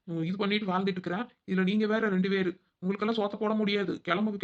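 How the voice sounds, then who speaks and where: A woman's voice: mid-range voice, close to an everyday voice. A woman voicing a sassy, scolding village wife. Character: bold, sharp-tongued young village wife. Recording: dull lo-fi audio.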